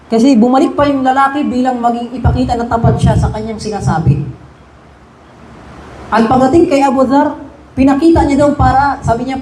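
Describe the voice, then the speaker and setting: Man, religious lecture, Arabic recitation with translation, storytelling, mellow tone, faint background hiss. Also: very high voice. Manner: recites Arabic phrases then translates them; animated storytelling with quoted dialogue. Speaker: Islamic preacher. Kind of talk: religious lecture retelling stories. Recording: echoey room with faint background noise.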